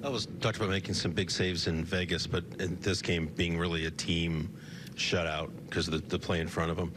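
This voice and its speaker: A man's voice: low-pitched, fairly quick. A man, a reporter, asking long conversational questions at a press conference. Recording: broadcast feed with steady background noise.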